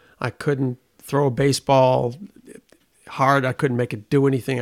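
A man's medium-pitched voice, with a dry, close sound and no echo. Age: 60s. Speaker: retired runner, father-in-law. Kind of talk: casual interview, storytelling. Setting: at home in Florida.

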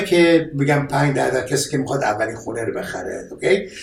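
A man speaks at a fairly high pitch. Audible room echo surrounds the voice. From Iran (Khuzestan, Tehran). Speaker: real estate broker. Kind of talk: casual interview. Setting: studio. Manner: halting, repetitive.

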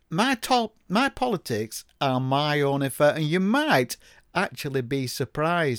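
Very wide pitch swings mark a man's voice with an English accent. He talks at a fairly slow pace in a dry, close sound with no echo. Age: 60s. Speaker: podcaster. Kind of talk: opinion monologue. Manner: animated.

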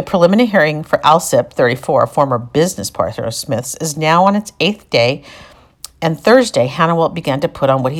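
With an American accent, a woman speaks in an ordinary speaking voice at a fairly low pitch. Her intonation is lively and her pace fairly quick. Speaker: true crime podcaster. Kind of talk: true-crime narration. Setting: home recording. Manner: conversational.

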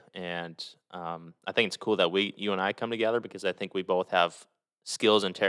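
A man with an Upper Midwest accent and a very deep, low voice of bright, sharp tone, at a moderate pace, on a very clean recording with a silent background and a dry, close sound with no echo. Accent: Upper Midwest American. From Minnesota, Twin Cities metro. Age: 20s. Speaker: business owner, podcast co-host. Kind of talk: casual chat.

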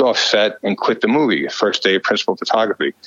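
This is a man speaking. He talks with a Brooklyn accent. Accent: New York (Brooklyn). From Brooklyn, New York (Bensonhurst). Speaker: cardiologist and filmmaker. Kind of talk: casual interview chat. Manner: halting, many repeated words.

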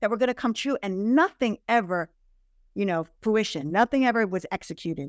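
With a plain, everyday voice, a woman speaks fairly quickly at a fairly high pitch with lively intonation, the sound dry and close with no echo. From Spain, moved to the US at about age 12. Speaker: fitness business owner in addiction recovery. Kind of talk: interview testimony.

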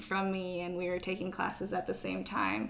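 A woman at medium pitch speaks with an American accent amid audible room echo. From Silicon Valley, California. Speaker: podcast co-host, social worker and minister. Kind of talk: casual chat.

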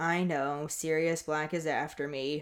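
In a put-on character voice, the speaker talks at a fairly slow pace with a bored tone, middle pitch, and flat, monotone intonation. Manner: monotonous, bored.

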